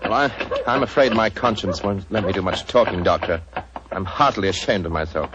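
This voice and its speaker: A man plays a sheepish gentleman who stammers and rushes his words. His voice sits low, with a clear hiss under the old radio recording. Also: dull audio, close to an everyday voice. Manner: hesitant, stammering. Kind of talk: 1940s radio drama acting.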